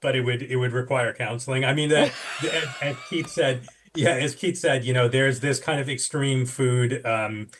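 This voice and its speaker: A man's voice: medium pitch, fairly even intonation, moderate pace, hardly any pauses, noisy background. A man, a physician guest on a radio panel, explaining a medical topic in a thoughtful way with fillers and restarts.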